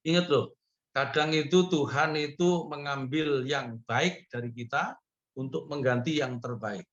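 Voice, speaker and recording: Pastor man preaching in lively stories. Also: dull audio. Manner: storytelling, acts out a man pleading in a high voice. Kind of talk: sermon over video call.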